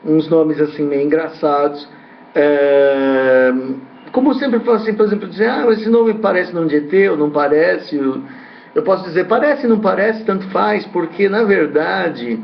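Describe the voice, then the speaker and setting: A man's voice: on the high side, moderate pace, vocal fry. A man with a slightly raised voice gives a rambling commentary as a ufologist host. He hesitates, repeats himself and keeps tossing in tag questions. The recording sounds dull and lo-fi.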